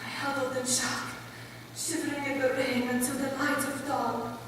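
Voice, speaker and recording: Woman acting a high-voiced defiant tribal girl, distant hall. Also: level tone, normal speed, a bit bright. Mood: shaken. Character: Dayume, young Waodani woman who fled her violent people, defiant. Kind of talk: readers' theater recital, dramatic narration. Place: large indoor recital hall, distant microphone. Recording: echoey hall from far off, faint noise.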